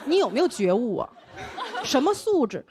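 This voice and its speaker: A gruff old Beijing street vendor scolds bluntly, as a woman comedian puts him on. Even in his gruffness, the voice stays highish and swings up and down a lot. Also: full character voice. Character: gruff older Beijing man selling candied haws.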